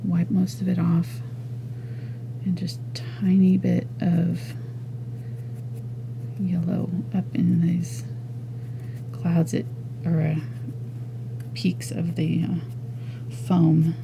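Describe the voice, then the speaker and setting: A woman teaching an acrylic painting lesson, talking casually and thinking aloud as she works, with soft murmured asides. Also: fairly low pitch, completely flat delivery, drawn-out words, creaky, pauses often, noisy background. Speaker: painting instructor. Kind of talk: relaxed step-by-step art lesson.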